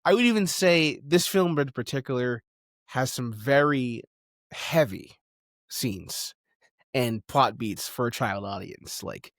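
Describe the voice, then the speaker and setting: Male video essay host, average pitch, conversational yet emphatic commentary, very little room sound. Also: no room sound, clean studio sound.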